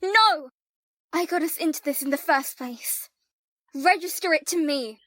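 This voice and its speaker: A woman's voice: high-pitched, a little slow, fairly bright tone, no echo, studio quality. A woman playing a proud, stubborn young twin sister in an audio drama, argumentative and defiant. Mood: insistent.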